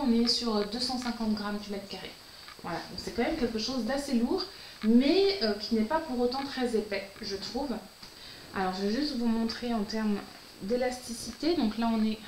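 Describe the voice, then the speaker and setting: A woman's voice: fairly high pitch, a little hiss or hum. Bubbly woman in an echoey room. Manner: bubbly and enthusiastic, often says she is delighted. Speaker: sewing vlogger and host. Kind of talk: casual fabric unboxing vlog. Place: at home, filming at night.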